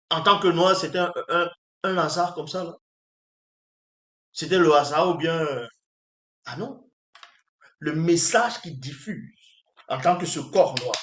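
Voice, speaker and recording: A man's voice: on the high side, a bit bright. A man preaching a monologue in an emphatic, repetitive way, often firing rhetorical questions at his listeners. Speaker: spiritual teacher. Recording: roomy echo.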